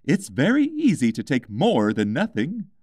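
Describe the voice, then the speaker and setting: A man's voice: mid-range voice, huge pitch swings, unhurried, a little mellow, no echo, studio quality, voice pushed up. A man voicing a mad, contrary storybook hatter who speaks in an emphatic, pedantic way. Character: mad, contrary male tea-party hatter, riddling.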